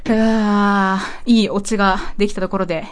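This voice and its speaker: A woman's voice: medium pitch, rapid-fire. A woman hosting an online radio show, chatting casually and playfully, joking and talking to herself. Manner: playful, exclaims and talks to herself. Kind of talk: casual chat and story retelling.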